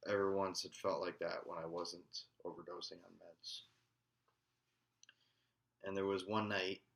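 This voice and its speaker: A man telling a personal story in a halting, casual way. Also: low-pitched, fairly bright tone. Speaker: vlogger.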